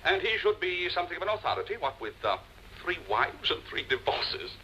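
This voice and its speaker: A pompous, self-satisfied husband in a 1950s TV drama, rolling out his words in an orotund, speechifying way. His voice is high and bright, swooping wildly up and down as he orates. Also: very animated, brisk, highs cut off, a little hiss or hum. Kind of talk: 1950s television drama acting.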